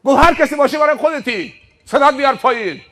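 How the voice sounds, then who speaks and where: A man's voice: a little high, faint music behind, lightly acted. A man voicing the angel of death in a sermon story, barking commands and then passing a grave sentence. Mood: commanding.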